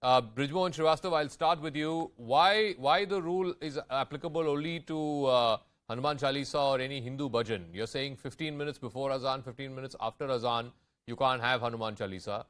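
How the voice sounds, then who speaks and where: A man's voice: medium pitch, fairly quick, fairly bright tone, smooth. A man anchoring live news and moderating a debate, putting questions to reporters and guests.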